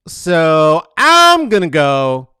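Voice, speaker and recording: A man hosting a casual comedic monologue, rambling and profane, animated and full of fillers. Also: a little high, very slow, clean tone, no room sound, studio quality. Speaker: podcast host.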